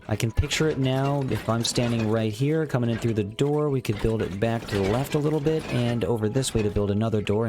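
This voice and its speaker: A man's voice: medium pitch, noisy background. A man with a slight cold giving casual, chatty gameplay commentary as host of a gaming series, thinking aloud as he goes. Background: music.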